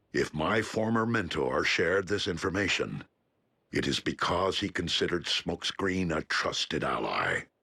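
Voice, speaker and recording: A cartoonish character voice at a moderate pace, in a very clean recording with a silent background. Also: man, very deep, low pitch for a man. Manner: formal, measured, calm.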